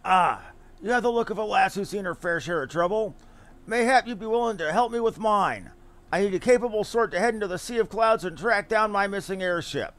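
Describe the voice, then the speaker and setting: A worried airship merchant from a fantasy game, performed by a man, speaking in a high voice. The speech is florid and dramatic, forever fretting and pleading. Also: lively intonation, fairly quick, fairly bright tone. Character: anxious airship merchant fretting over debts and lost cargo.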